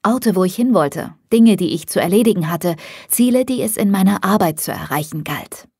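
A woman reading a first-person audiobook in a calm, measured way, close to the mic. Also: mid-range voice, breathy edge, no room sound. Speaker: audiobook narrator. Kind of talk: scripted first-person narration.

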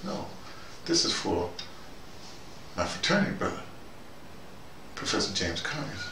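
A man plays an opinionated, easygoing intellectual guy with a low, gravelly voice. He rambles casually and argues his points, often digressing. He is recorded at a distance in an echoey, noisy room. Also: measured pace, exaggerated voice. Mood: casual, rambling. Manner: digressive, animated, argumentative, punctuated with "you know". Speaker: vlogger in character. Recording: distant mic, echoey room, loud background noise.

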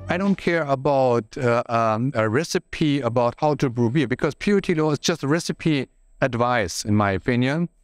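A middle-aged man with a German accent answering interview questions in English, halting and searching for words, recorded on a lapel mic in a brewery. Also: medium pitch, animated, no room sound, faint music behind. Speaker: brewery manager. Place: brewery hall indoors.

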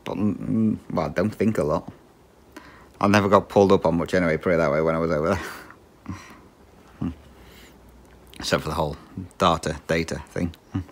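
English guy, bit of an aussie twang, really low voice, rambly chat with lots of ums while he stitches. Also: fairly even intonation, a little fast, long pauses. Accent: English with a slight Australian twang. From England. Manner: rambling, chuckles often, many ums and restarts. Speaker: cross-stitch vlogger.

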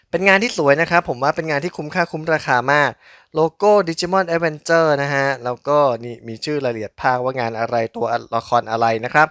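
A man's voice: on the high side, fairly bright tone, no echo, clean studio sound. A man giving casual, chatty unboxing commentary in an informal but polite way. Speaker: toy unboxing channel host.

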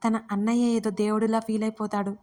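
A woman's voice: fairly high pitch, level tone, fast talker, natural voice. A woman voicing an angry resentful grown son. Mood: irritated. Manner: sharp, irritated complaints.

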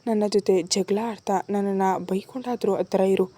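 A hot-tempered, possessive young man, as a woman narrator puts him on, harsh and threatening in a low, mellow, husky voice. It is a spoken storybook romance. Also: fairly even intonation, normal speed, lightly acted. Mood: pleading.

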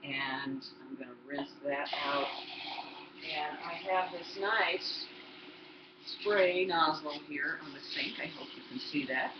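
A woman in her sixties, a cooking instructor, gives a chatty home cooking demonstration in her kitchen, walking the viewer through each step. Her low voice is slow, and the laptop's built-in mic gives a roomy, dull, lo-fi sound with background noise.

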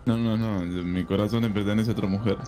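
A young man with an Argentine Rioplatense accent, teasing quickly in game role-play banter. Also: fairly low pitch, fairly even intonation, warm tone, a little hiss or hum. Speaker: fellow role-play player.

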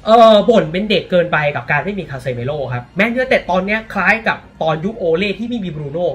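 Animated Thai man talking football. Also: high voice, fast talker. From Thailand. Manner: animated, exclaims often. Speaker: football commentator. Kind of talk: casual football commentary.

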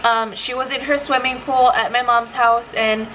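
A woman's voice: a little high, flat delivery, moderate pace, fairly bright tone, a little hiss or hum, rough recording. A young woman chatting casually to camera in her living room, a mom vlogger full of "like" and quoted bits of her toddler. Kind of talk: casual vlog talk to camera. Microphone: camera in front.

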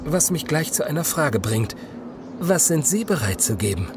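A man playing a falsely courteous, menacing vagrant in a horror audio drama, speaking in a measured, mock-polite way. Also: a little high, big pitch swings, music in the background. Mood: quietly menacing.

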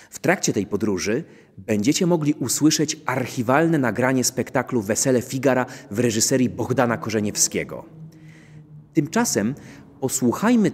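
A man's voice: medium pitch, darkish tone, slightly rough. A young man giving a scripted presentation to camera as a presenter. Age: young adult. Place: indoors in a theatre, before a press wall. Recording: long hall-like reverb.

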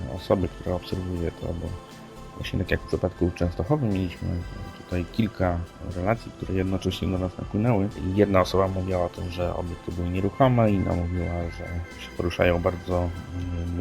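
Male co-host, deep creaky voice, halting delivery, talking over clearly audible music. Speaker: podcast co-host. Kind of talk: unscripted paranormal news discussion. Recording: music playing under the voice.

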